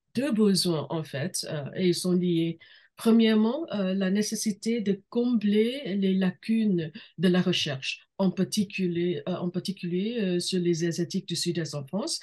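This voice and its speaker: A woman with a non-native accent speaks at a medium pitch and a fairly slow pace. Her tone is dark and mellow, somewhat breathy, over a quiet background. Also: ordinary pitch variation. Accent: non-native French, rusty. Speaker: political scientist, professor. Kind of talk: academic presentation. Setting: video call.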